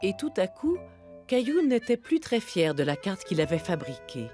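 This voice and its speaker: A woman's voice: mid-range voice, big pitch swings, moderate pace, darkish tone, faint music behind. A woman narrating a children's cartoon story from a script, in storybook style.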